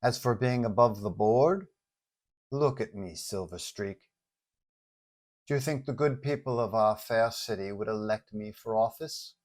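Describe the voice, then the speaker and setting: Villainess, voiced by a man: quiet, measured, formal revolutionary mastermind for a superhero story, calculating and composed. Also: on the low side, lightly acted. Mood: commanding. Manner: measured, formal, soft-spoken.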